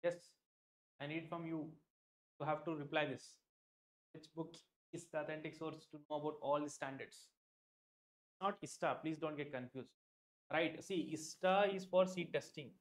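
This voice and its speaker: A man's voice: a little high, steady tone, moderate pace, long pauses, poor audio. A young man with an Indian English accent, teaching an exam-prep lesson live to online viewers in a chatty, repetitive way. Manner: chatty, repeats himself, many "like" fillers, addresses viewers by name. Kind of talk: live-stream lecture.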